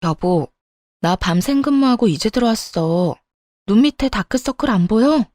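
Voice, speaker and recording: A woman's voice: a little high, animated, normal speed, a little mellow, dry recording, studio quality, lightly acted. A woman voicing a tired wife who pushes back against her dismissive husband. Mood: pleading. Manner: pleading then sharply indignant. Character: exhausted, indignant wife, an ER worker in her 30s.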